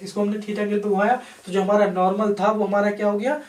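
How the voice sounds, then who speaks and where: A man's voice: sits high, flat delivery, fast, a little mellow. A man teaching exam students, repeating key phrases, asking and answering his own questions, and mixing in English technical terms. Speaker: physics teacher. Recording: roomy echo, distant microphone.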